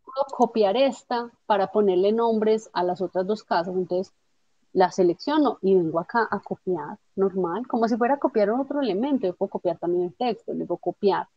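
A woman teaching a software tutorial step by step, patiently checking that her student follows along. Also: medium pitch, normal speed, no room sound. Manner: patient, explanatory, checks understanding with tag questions. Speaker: instructor. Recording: dull lo-fi dry audio.

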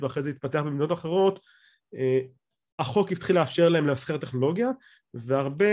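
An Israeli man in middle age speaks in a fairly high male voice. He lectures off the cuff over slides on a video call. His delivery is explanatory and somewhat halting, with phrases often begun again. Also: a little mellow. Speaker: academic lecturer.

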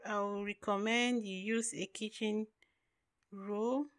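A woman's voice: mid-range voice, steady tone, slow, smooth, no echo, clean studio sound. A woman in her thirties narrating a home vlog in a casual, simple explanatory way, repeating words for emphasis. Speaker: home vlogger. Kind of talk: casual cook-and-clean voice-over narration.

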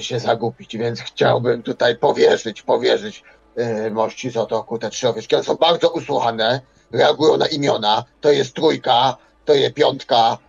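A man's voice: mid-range voice, creaky, slightly rough, muffled recording. A man roleplaying in a tabletop game, talking hesitantly and wordily and repeating himself. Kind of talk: improvised in-character roleplay.

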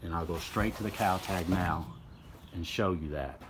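Filming on a handheld phone camera, a man who hosts the channel walks around a car in an old open barn, moving between indoors and out. He lays out its details plainly and methodically in a low voice at a moderate pace, with heavy background noise behind him.

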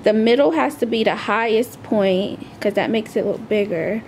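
A woman's voice: mid-range voice, moderate pace, a little mellow, a little hiss or hum. A young woman and mother chatting casually in a home vlog, rambling with lots of ums. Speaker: vlogger, mother. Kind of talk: casual family vlog chat. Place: home living room.

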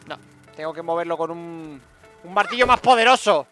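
A young man giving excitable let's-play commentary and talking to his viewers. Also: a little high, normal speed, soft background music. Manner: excitable, talks to viewers as "gente". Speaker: gaming streamer.

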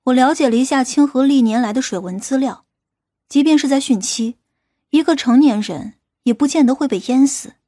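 High-pitched, probing policewoman acted by a woman. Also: moderate pace, dark tone, no echo, clean studio sound. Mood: matter-of-fact. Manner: interrogating, challenging. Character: tough, probing policewoman, forceful and skeptical. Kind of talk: audiobook character dialogue.

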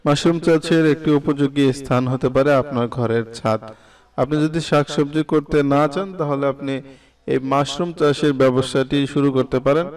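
A man's voice: mid-range voice, fairly even intonation, normal speed, a little mellow, far from the mic. Young Bangladeshi man, explainer narration. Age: young adult. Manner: addresses the viewer directly. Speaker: video host. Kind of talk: explainer narration of business ideas.

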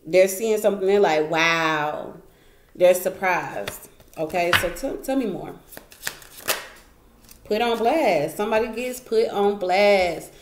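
Taking it slowly in a medium-pitched voice, a woman does an informal tarot reading at a wooden table inside. She is chatty and emphatic, repeats phrases, and laughs often; she stays off frame as the camera looks down at the table, and the echoey room carries faint noise.

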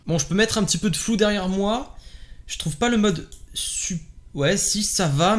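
This is a man with a somewhat high-pitched voice doing a casual product review at home. He talks in a chatty, enthusiastic way, dropping little fillers between thoughts. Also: fairly bright tone. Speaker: tech reviewer. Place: home desk setup with LED lights behind him.

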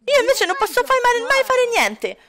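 A shrill, whiny little boy, voiced by a woman for a life-sim game's story, pitched up very high and swooping all over the place. He whines and protests indignantly that nothing is fair. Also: sing-song, normal speed, slight background noise, heavily acted. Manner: whining, indignant, shouting. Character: whiny young boy complaining about unfairness.

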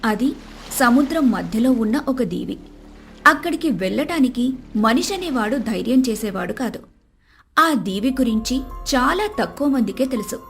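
A woman's voice: fairly high pitch, animated, normal speed, soft background music. A woman reading a scripted moral story as its narrator.

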